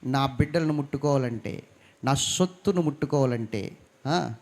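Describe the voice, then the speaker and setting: A man voicing God as a calm, protective and commanding deity, in a low, hushed, measured tone. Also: lightly acted. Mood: stern.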